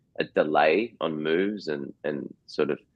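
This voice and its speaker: A man speaks with an Australian accent. The sound is dry and close, with no echo. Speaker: actor. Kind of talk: interview. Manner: halting.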